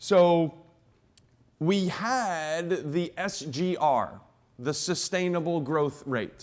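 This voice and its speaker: Speaking at a very slow pace with long, frequent pauses, a man uses a high pitch and ordinary pitch variation. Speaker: podiatrist and coding advisor presenting a seminar. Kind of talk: lecture. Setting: seminar room with audience.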